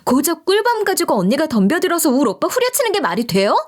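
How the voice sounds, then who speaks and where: A woman voicing a brash young sister-in-law who argues in a raised, rapid-fire voice in a storybook reading. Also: high-pitched, huge pitch swings, pitched above the performer's own voice. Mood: combative.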